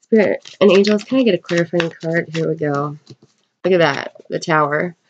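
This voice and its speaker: A woman's voice: on the low side, moderate pace, a little hiss or hum. Sniffly woman reading tarot, dull sound. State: getting over a bad cold, sniffly. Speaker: tarot reader. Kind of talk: casual tarot card reading. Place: indoors at a table in a room.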